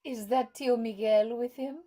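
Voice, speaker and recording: A man playing a troubled, tender young Latina pleading with her father, speaking haltingly in a drama table read. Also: very high voice, fairly even intonation, dark tone. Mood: tender, distressed. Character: Julia, troubled young Latina, born Julio, pleading with Papa.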